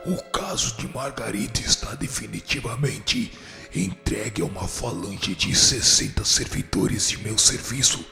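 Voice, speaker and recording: Radio drama: male actor as a vengeful fallen spirit judge, imperious and solemn, creaky voice in cavernous reverb. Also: on the low side, measured pace, pushed and bright, heavily acted. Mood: cold, resolute. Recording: reverberant hall-like echo, music underneath.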